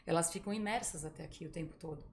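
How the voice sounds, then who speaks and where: Brazilian woman guest on a podcast, talks really fast, lively storyteller, faint noise behind. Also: lowish voice. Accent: Brazilian Portuguese. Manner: lively storyteller who acts out quoted voices. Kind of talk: casual storytelling in a podcast interview.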